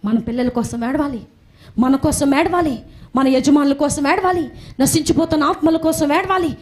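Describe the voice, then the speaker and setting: A woman's voice: high-pitched, normal speed, a little mellow. A woman preaching a sermon emphatically, repeating phrases for stress.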